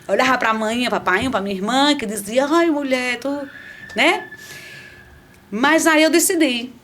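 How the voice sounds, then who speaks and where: A middle-aged woman, a podcast guest, telling her faith testimony in an animated, conversational way. She often restarts phrases and turns to her listeners with asides. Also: on the high side, normal speed, a little hiss or hum. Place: podcast studio.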